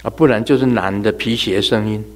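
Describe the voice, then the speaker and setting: A man's voice: on the low side, steady tone, fairly quick. A man giving a religious talk in a chatty, storytelling way, laughing and imitating sounds as he goes. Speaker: religious teacher. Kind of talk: sermon told as humorous ghost anecdotes.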